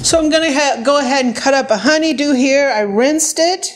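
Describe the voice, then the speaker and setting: Woman with a highish voice doing a chatty cooking vlog in her kitchen, bit of music behind. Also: brisk. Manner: chatty, unscripted, thinking aloud. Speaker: home cooking vlogger. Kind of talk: casual cooking narration. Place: home kitchen, indoors.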